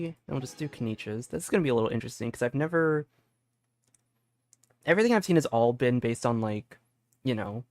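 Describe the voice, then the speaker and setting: A man's voice: mid-range voice, no room sound. A man streaming a game, chatting casually and thinking aloud in a loose, rambling way. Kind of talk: casual livestream gameplay chat. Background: faint game music.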